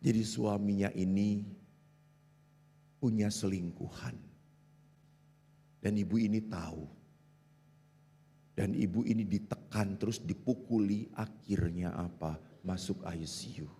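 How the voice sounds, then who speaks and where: A man, a Catholic priest, preaching an animated sermon, putting questions to the audience and acting out the voices in his stories. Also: lowish voice, slow, long pauses, breathy edge. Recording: hall reverb.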